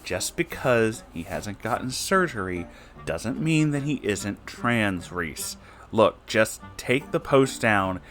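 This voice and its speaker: A man voicing a flustered, earnest young storyteller in a halting, exasperated manner, as part of a read-aloud story. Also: lowish voice, lively intonation, a bit bright, soft background music. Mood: firm, exasperated.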